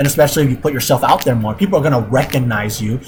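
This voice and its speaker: A man talks loudly in an animated tone. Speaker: gaming YouTuber. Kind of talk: casual gaming commentary.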